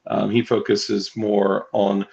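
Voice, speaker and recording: A man with a raspy voice co-hosting a casual livestream, rambling and halting with lots of fillers. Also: lowish voice, little pitch movement, a little mellow, dull audio. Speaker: co-host.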